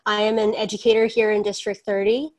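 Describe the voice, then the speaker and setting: Woman educator on a group call, reading a prepared comment in an even, level tone. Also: mid-range voice, fast. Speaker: educator giving public comment. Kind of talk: prepared public comment at an online meeting.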